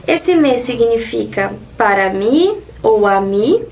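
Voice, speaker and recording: High-voiced woman teaching Spanish. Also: animated, darkish tone. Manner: explanatory, slow, stresses example sentences. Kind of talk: online language lesson.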